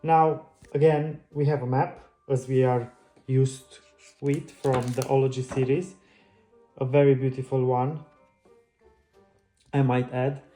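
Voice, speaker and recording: Chatty man with a flat, mellow voice. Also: medium pitch, slow, long pauses, soft background music. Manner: friendly, chatty, loose phrasing with restarts. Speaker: book channel host. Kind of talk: casual book flip-through vlog.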